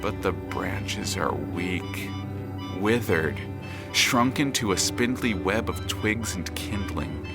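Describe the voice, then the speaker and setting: A man narrating an audio drama from a script in a measured, dramatic, storybook-like manner. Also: low voice, animated, music in the background.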